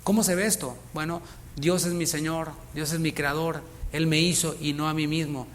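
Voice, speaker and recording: A man's voice: a little high, steady tone, normal speed, slight background noise. A man preaching a sermon as pastor, speaking with emphasis and putting rhetorical questions to the congregation. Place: church in Houston.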